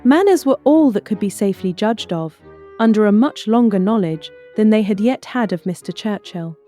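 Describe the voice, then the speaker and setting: An actress playing a cautious, reserved young gentlewoman, guarded and polite, in a period audiobook. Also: medium pitch, expressive, moderate pace, faint music behind, natural voice. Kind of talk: period novel audiobook acting.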